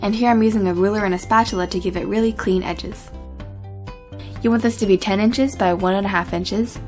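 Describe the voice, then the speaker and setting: A woman at a fairly quick pace and fairly even intonation, music playing behind her. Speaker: baking video host. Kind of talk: recipe tutorial voiceover. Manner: casual, friendly.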